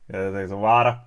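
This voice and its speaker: Slow, halting man streaming. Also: fairly low pitch, a bit bright, smooth. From Stockholm, Sweden. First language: Swedish. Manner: halting, chuckly, lots of fillers. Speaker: YouTuber hosting a live stream. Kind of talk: casual live-stream chat. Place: home setup at a table.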